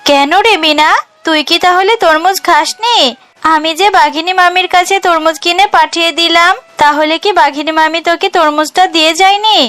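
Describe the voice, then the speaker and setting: A woman voicing a gentle, trusting mother fox in a children's cartoon, affectionate and expressive. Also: extremely high pitch, moderate pace. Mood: motherly, concerned.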